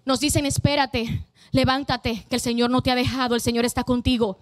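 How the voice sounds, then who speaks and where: A woman's voice: fairly high pitch, flat delivery, fairly quick, dry recording. A woman preaching a fervent sermon to a church congregation, using emphatic repetition and calling out to the people.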